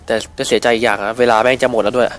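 A man with a cold casually commentating a shooting game as a channel host, excitable and swearing at the action. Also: medium pitch, very fast, a little hiss or hum. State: has a cold.

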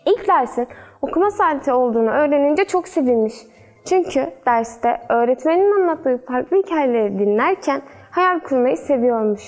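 A woman storyteller reading a children's fairy tale in a gentle, measured way. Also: sits high, expressive, faint music behind.

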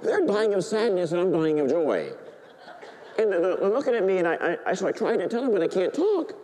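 A middle-aged man, a priest, preaching and telling a story with great feeling, dropping to a hush and rising to high excited tones. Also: fairly quick. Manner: animated storytelling, swings from hushed to high excited voice. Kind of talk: sermon. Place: church. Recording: reverberant church hall.

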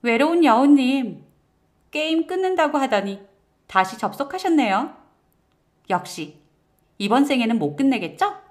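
A man's voice: very high voice, sing-song, moderate pace, pauses often, pitched above the performer's own voice. A man voicing a cheerful online game friend in an audiobook drama, reading messages in a chirpy, teasing tone.

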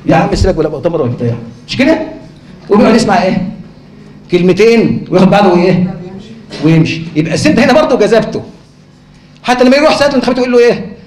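Rapid-fire Egyptian male lecturer. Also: sits high, animated, a little mellow. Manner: fires rhetorical questions and answers them himself. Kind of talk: conference lecture. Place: lecture hall. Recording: echoey hall.

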